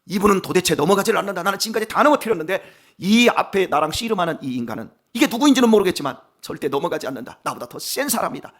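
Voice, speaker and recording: A middle-aged man, a pastor giving an early-morning sermon in a church, swinging between booming preaching and hushed storytelling asides. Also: lively intonation, very fast, hardly any pauses. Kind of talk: dawn sermon. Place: church sanctuary.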